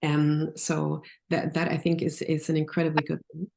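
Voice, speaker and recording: A woman nutritionist talking through health advice in a relaxed podcast interview, pausing often and restarting her sentences. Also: low voice, vocal fry, slight background noise. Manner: thoughtful, many restarts and fillers. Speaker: nutritionist guest.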